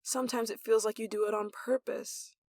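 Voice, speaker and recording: A woman playing an obsessive, possessive lover in an intimate ASMR roleplay, sweetly menacing and breathy. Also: a little high, steady tone, brisk, a little mellow, no room sound, lightly acted. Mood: intimate, seductive. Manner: breathy sighs and chuckles, dropping to whispers.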